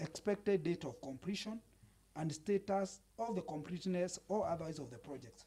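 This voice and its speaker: This man talks at a fairly slow pace in a high pitch, his tone dark and mellow, with ordinary pitch variation. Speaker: county assembly member, committee chair. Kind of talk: tabling a committee report in plenary. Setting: county assembly chamber. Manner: loud; formal, with hesitations and self-corrections.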